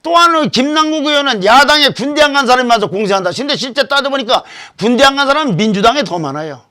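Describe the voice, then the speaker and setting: A man's voice: very high voice, animated, quick pace, bright, forceful tone. A man hosting a political commentary show, talking emphatically and posing rhetorical questions into a studio microphone.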